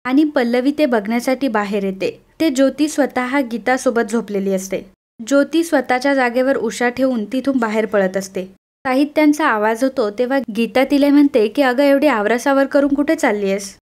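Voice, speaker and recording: A woman with a fairly high voice narrates a TV serial recap in a steady, scripted storytelling style. She talks to her audience directly and reads off long lists of viewers' names. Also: moderate pace. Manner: addresses listeners as friends, reads long name lists.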